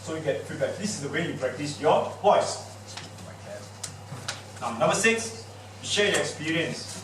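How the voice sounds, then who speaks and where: A man with a Singaporean English accent gives a lively, playful public speaking workshop, quizzing and teasing his audience. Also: on the high side, a little slow. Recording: echoey room picked up from a distance with background noise.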